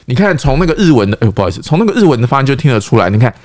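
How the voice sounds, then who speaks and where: A man's voice: mid-range voice, very animated, racing, a little mellow. A man from Taiwan hosting a casual chat, explaining at length in a teacherly way with self-deprecating jokes. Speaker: podcast host, English news anchor.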